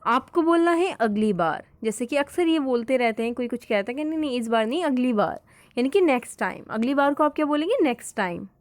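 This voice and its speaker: A woman teaches everyday English phrases and explains each one patiently. Her voice sits a little high, and she repeats every phrase slowly. The close recording is dry, with almost no room sound. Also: expressive, dry recording. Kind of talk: spoken English lesson.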